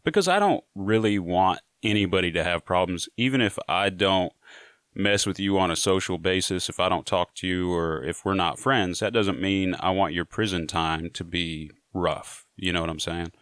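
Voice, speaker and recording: A man's voice: low voice, normal speed, a bit bright, clear, resonant tone, dry recording, studio quality. A man telling a prison story to his viewers in a casual, laid-back way, often saying "you know". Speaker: storyteller sharing prison stories.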